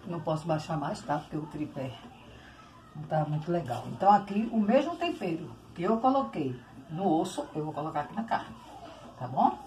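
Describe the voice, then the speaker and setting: Older brazilian lady chatting thru a recipe, lowish voice, pots n dishes clattering in the kitchen. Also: very animated, fairly quick, darkish tone, slight background noise, low-quality recording. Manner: chatty, addresses viewers often, uses diminutives. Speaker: home cooking vlogger. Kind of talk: casual cooking demonstration. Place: home kitchen, indoors. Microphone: phone on tripod, short distance.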